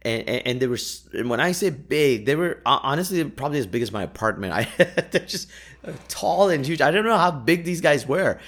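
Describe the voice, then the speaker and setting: A man's voice: on the high side, very animated, fairly quick, a bit bright. A young man, a native Urdu speaker, telling travel stories in a chatty way, full of fillers, restarts and laughs. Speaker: podcast host. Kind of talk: casual travel storytelling.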